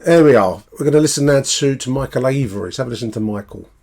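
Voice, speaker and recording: A man hosting a fan podcast, giving conversational football opinion in a halting, deliberating way. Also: mid-range voice, gravelly, darkish tone.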